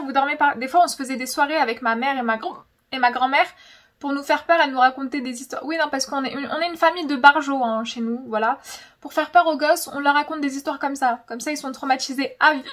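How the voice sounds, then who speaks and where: A young francophone woman of Algerian descent, a YouTube host, chats casually in a storytelling vlog. Her voice is high, brisk and fairly bright, and she speaks dramatically and emphatically, often repeating words for effect.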